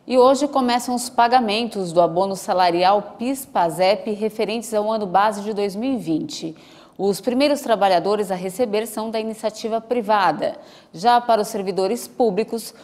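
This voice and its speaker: A woman in her thirties presenting the news with a steady, formal delivery on a lapel mic. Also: mid-range voice, moderate pace. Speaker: news anchor. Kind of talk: live newscast reading. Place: outdoor studio set with trees.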